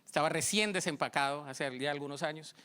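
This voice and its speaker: A Colombian man preaches in church with a high, bright voice. He tells his story with lively energy, acting out both sides of each conversation. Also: a little fast, clear, resonant tone. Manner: storytelling, acting out dialogue, animated. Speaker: pastor. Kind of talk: sermon.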